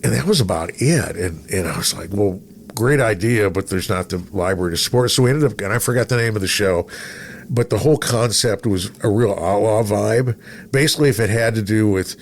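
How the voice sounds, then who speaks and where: Speaking fairly quickly in a voice on the low side, a middle-aged man shares stories in casual conversation, performing snatches of dialogue he recalls. He's a radio personality guesting on a podcast, and the recording has noticeable background noise.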